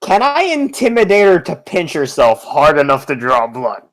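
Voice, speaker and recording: High, lively, excitable young man. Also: normal speed. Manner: excitable, laughing, pushing wild ideas. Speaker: player. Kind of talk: casual tabletop game banter.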